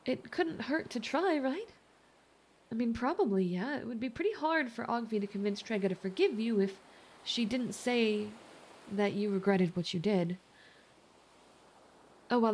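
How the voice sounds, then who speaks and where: A woman playing a kind, reassuring young mermaid in an ASMR roleplay, chatty, gentle and earnest. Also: a little high, slight background noise, natural voice. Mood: hopeful, persuading, then concerned.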